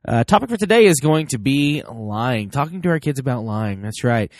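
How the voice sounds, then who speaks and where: This solo parenting podcast host has a cold that leaves him a bit stuffy, and he chats casually with plenty of fillers. His mid-range voice swings widely in pitch at a normal speed, captured in a dry, clean studio recording.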